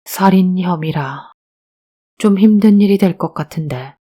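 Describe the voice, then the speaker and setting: A woman voicing a tall, composed young male detective who speaks in a cold, measured way in an audiobook drama. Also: fairly low pitch, dark tone. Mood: cool.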